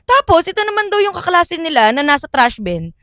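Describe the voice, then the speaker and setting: A woman's voice: very high voice, very animated, fairly quick, fairly bright tone, dry recording, studio quality. A woman vlogger telling stories casually and animatedly, laughing often and acting out what people said. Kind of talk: casual storytelling.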